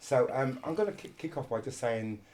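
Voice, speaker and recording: A middle-aged man from London hosting a casual podcast, talking in an animated, restless way with many restarts and repeated words. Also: medium pitch, fairly quick, slight background noise. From London, England. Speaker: podcast host.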